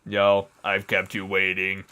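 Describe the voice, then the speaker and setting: A man voicing a brash, hulking male robot with slow, booming talk and bellowing laughs. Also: completely flat delivery, pushed and bright, clear, resonant tone, full character voice. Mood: boastful. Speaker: let's play commentator.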